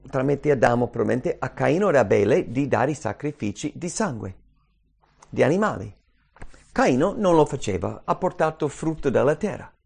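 This is a man delivering a sermon, moving between scripture reading and earnest exhortation. His voice carries a gravelly roughness and sits slightly high for a man. He drives his points home by repeating key phrases with emphasis. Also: darkish tone. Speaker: preacher.

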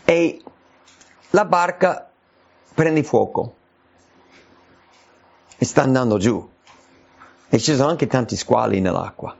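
A man preaching an informal sermon, answering viewers' letters, slow and earnest, stretching out his emphasis on scripture. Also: a little high, creaky, darkish tone. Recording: dull lo-fi recording.

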